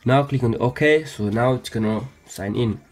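A man's voice: mid-range voice, moderate pace. A man hosting a casual phone how-to, stumbling and repeating his phrases as he goes. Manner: hesitant, repetitive phrasing with frequent stumbles. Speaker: tech tutorial host. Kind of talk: casual how-to screen demonstration. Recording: music behind, some background noise.

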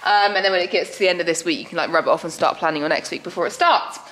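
In a slightly noisy, low-quality recording, a young woman talks rapid-fire in a lowish, somewhat bright voice. She's a horse rider vlogger chatting casually and bubbly in a horse barn, using plenty of fillers, shot up close on a handheld camera.

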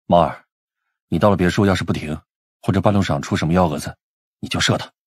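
A man's voice: low voice, fast, breathy edge, dry recording, studio quality, pitched below the performer's own voice. A man voicing a cocky, cool young male detective with a bossy swagger in an audiobook. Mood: cool, commanding.

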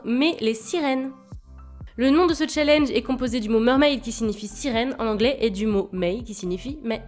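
Woman, stuffy from a cold, higher voice, casual illustrator voice-over with lots of fillers, faint music underneath. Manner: chatty and hesitant, many fillers and restarts. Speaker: digital illustrator. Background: faint background music.

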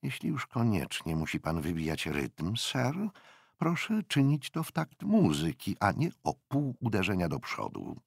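A man voicing a small, gloomy, hostile gentleman who rebukes with icy, precise politeness in an audiobook. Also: on the low side, huge pitch swings, unhurried, gravelly, no echo, studio quality, exaggerated voice. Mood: icy irritation.

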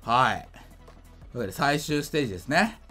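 A drunk man giving casual gameplay commentary, rambling, slightly slurred and excitable, often repeating himself. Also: mid-range voice, fast talker, faint music behind. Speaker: gaming video creator.

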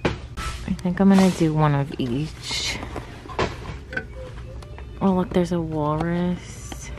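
Her voice fairly low and steady, a masked woman in her thirties talks slowly while pointing her phone camera at store shelves. The vlogger's narration is casual and musing, set against music and the clamor of a large indoor shop.

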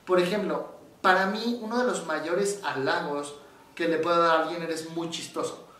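Animated Mexican man in an echoey room. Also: fairly high pitch, moderate pace, far from the mic. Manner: animated storyteller, acts out quoted voices. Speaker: psychologist. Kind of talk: casual explanatory talk to camera.

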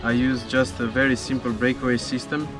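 A man in his thirties walks through his spearfishing setup in English, patient and plain, with the odd small slip. He talks from a small open boat at sea, caught by a camera mounted in the boat, with a steady mid-pitched voice and music playing under him. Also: fairly quick. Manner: non-native English with small slips, patient explaining. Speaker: spearfishing vlogger. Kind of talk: casual explanation to camera.

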